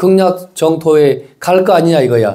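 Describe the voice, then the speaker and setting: This man has a fairly high pitch and a dark, mellow tone. He talks at a fairly slow pace with ordinary pitch variation. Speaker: Buddhist monk teaching sutra class. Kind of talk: dharma lecture.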